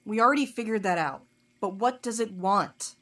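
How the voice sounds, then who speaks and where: An actress plays a blunt woman investigator in an audio drama. Her medium-pitched voice is curt and sardonic. She presses insistently and has little patience for evasion. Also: moderate pace, fairly bright tone, close to an everyday voice. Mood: impatient, sardonic. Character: blunt, impatient woman investigator demanding answers.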